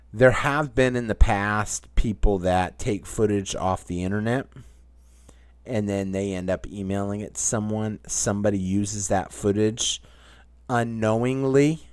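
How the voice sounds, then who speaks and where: A low-pitched man with a Maine accent chats casually as the host of his own channel, wandering from point to point as he answers viewer questions. His voice sits close and dry, with almost no room sound. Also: slow, clean tone, no room sound. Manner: rambling, conversational, reads viewer comments aloud. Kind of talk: casual Q&A chat.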